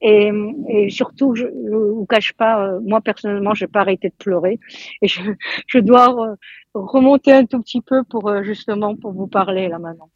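A woman speaks over a phone line that keeps breaking up, her voice dulled and a little husky. She talks haltingly, often repeating words. She has just left a funeral and is giving a live news interview. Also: medium pitch, dry recording. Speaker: peace activist, interview guest. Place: at a funeral just after the ceremony.

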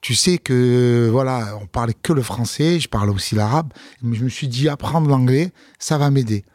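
A man's voice: mid-range voice, moderate pace, no echo. A man, a comedian, talking casually in an interview, telling stories with fillers and restarts. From France. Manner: relaxed storytelling, many fillers and restarts. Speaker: comedian guest.

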